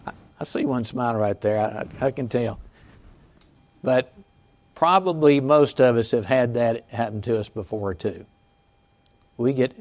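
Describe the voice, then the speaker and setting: Halting conversational male pastor preaching. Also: mid-range voice, a little mellow. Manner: conversational, halting with restarts and asides to the congregation; chuckles between points. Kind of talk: sermon. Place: church sanctuary.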